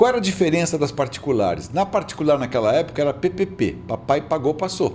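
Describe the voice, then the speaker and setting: A man with a fairly high pitch and vocal fry talks at a very fast pace with hardly any pauses. His pitch swings very widely. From Brazil, São Vicente (São Paulo coast). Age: 60s. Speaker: historian, institute president. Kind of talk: podcast interview, life stories.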